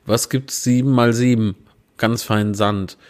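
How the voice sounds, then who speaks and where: A man with a steady, mid-range voice reads out puns at a measured pace, dry and plain, adding self-mocking asides. It's casual joke reading, recorded indoors on a handheld recorder mounted on a small tabletop tripod.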